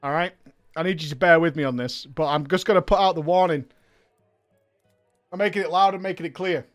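A man hosting a livestream show who reads viewer letters aloud, talking in a loud, hyped way with swearing and rambling asides. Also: fairly high pitch, brisk, faint music behind. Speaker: streamer and show host.

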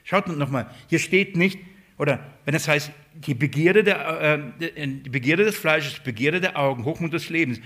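A man with a fairly high speaking voice delivers a sermon as a preacher. He keeps putting questions to his listeners and then answers them himself, building his point step by step. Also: normal speed, a bit bright. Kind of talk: Bible-study sermon.

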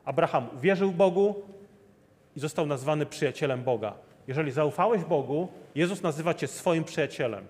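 A man delivers a sermon, pressing his listeners with the same rhetorical questions again and again. His voice sits a little high for a man. It rings with the long reverb of a large hall. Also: fairly quick, a little mellow. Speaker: preacher.

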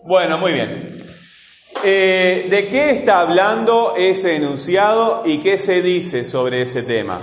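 Speaking slowly in a high, animated voice, a male teacher quizzes his class during a lesson and keeps asking "right?" to check in. The recording carries faint noise and the long reverb of an echoey room.

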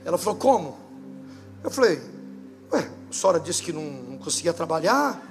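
A man's voice: fairly high pitch, a little fast, soft background music. A Brazilian man preaching a sermon as pastor, telling funny stories and acting out the dialogue. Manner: lively humorous storytelling, acting out dialogue. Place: church service.

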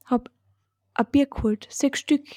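Austrian girl cohost, blunt, swears casually, mellow voice, dry close mic. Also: high-pitched, fairly even intonation, a little slow, no echo. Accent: Austrian German. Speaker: podcast co-host. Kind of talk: casual chat.

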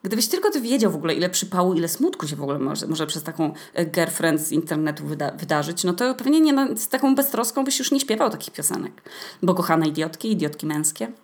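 A woman's voice: fairly low pitch, sing-song, fast talker. A young woman hosting a podcast, talking in a chatty, colloquial and playfully ironic way. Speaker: podcast host. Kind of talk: casual solo podcast monologue.

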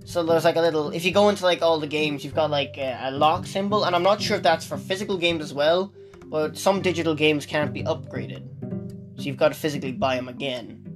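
A man's voice: a little high, brisk, music in the background. A young man from Ireland with an Irish accent, co-hosting a casual podcast and rambling with many restarts, recorded on a phone. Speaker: podcast co-host. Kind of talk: casual chat. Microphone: phone on the table.

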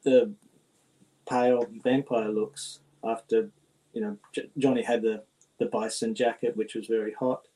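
Makeup artist dude, husky and mellow, kinda halting, lots of um. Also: male voice, lowish voice, level tone, low-quality recording. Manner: halting, searching for words. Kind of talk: panel answers.

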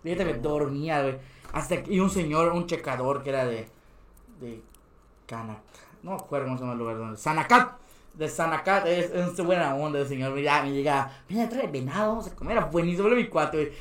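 A man's voice: fairly high pitch, fairly quick, fairly bright tone. A young man with a Mexican accent, a podcast guest telling casual stories, laughing often and acting out other people's voices. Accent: Mexican Spanish. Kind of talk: casual storytelling. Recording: echoey room.

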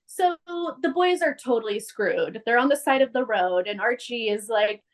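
A young woman co-hosting a casual podcast, recapping a TV episode and acting out the characters' lines with big jumps in her voice. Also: moderate pace. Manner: animated storyteller, acts out characters' lines with big pitch jumps. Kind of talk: casual chat.

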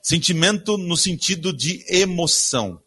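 Husky, bright-voiced preacher. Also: male voice, high voice, lively intonation, a little slow. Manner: asks the congregation questions and answers them himself. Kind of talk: sermon with Bible reading. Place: church before a congregation.

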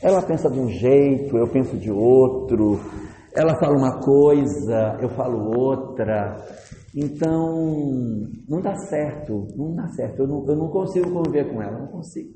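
A man's voice: medium pitch, lively intonation, moderate pace, dark tone, lightly acted. A man voicing a fickle young man who complains to God, pleading and then exasperated. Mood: fed up. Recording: echoey hall, faint noise.

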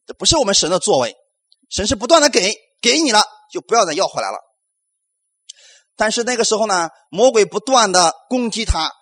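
A man preaching a sermon as pastor, animated and lively, acting out the voices of people he quotes. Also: high-pitched.

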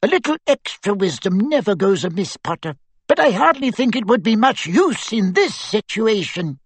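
A man doing a tiny squeaky old professor. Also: sing-song, normal speed, husky, dry recording, heavily acted. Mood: dry.

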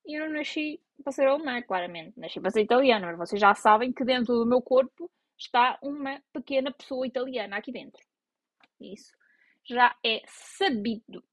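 A woman's voice: fairly high pitch, lively intonation, a little fast, dry recording. A young woman from Portugal with a European Portuguese accent, chatting casually and self-mockingly to her viewers. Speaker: vlogger. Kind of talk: casual chat to camera.

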